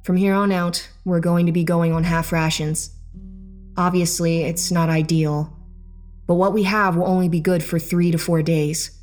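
Guy doing a steady woman squad leader, higher voice, calm orders, music under it. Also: normal speed, close to an everyday voice. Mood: commanding. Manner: steady, reassuring, matter-of-fact orders. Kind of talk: horror story narration. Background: soft music.

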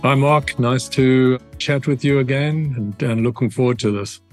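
A man's voice: medium pitch, fairly even intonation, normal speed, faint music behind. A man with a South African accent, a guest architect on an interview podcast, telling stories in an easy, reflective way. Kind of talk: casual interview.

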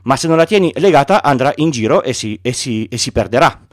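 A man's voice: mid-range voice, animated, fairly quick, dry recording, studio quality, close to an everyday voice. A man voicing a curious, earnest little boy prince who asks innocent, insistent questions.

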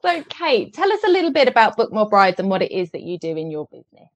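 A woman's voice: mid-range voice, big pitch swings, fast talker, no room sound. A woman in her thirties with an East Midlands English accent, hosting a podcast interview with bubbly enthusiasm. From England. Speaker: podcast host. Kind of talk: casual interview chat.

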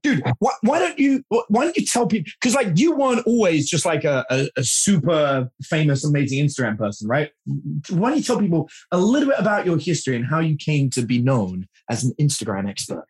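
A man's voice: fairly high pitch, very animated, fairly quick, few pauses, darkish tone, slightly rough. A man hosting a podcast with an emphatic, showman-like way of talking. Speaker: podcast host. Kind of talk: upbeat scripted intro and casual interview.

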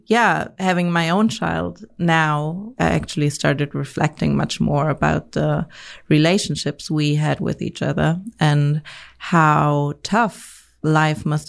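Woman in her 30s, thoughtful and halting, lots of ums, slight fry, very even pitch. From Germany. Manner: thoughtful, with frequent fillers and restarts. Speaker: guest, media company CEO. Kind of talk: reflective interview conversation. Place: podcast studio.

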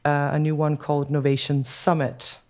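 A woman music producer with a deep, dark voice, chatting as a podcast guest, enthusiastic and hesitant with lots of fillers and restarts. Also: level tone, normal speed. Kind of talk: casual podcast chat.

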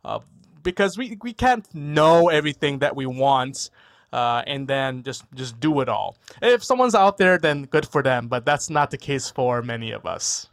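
A man's voice: medium pitch, animated, normal speed, a bit bright. A man from New York, a physician talking reflectively as a guest, often restarting and checking in with "right?". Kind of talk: casual interview conversation.

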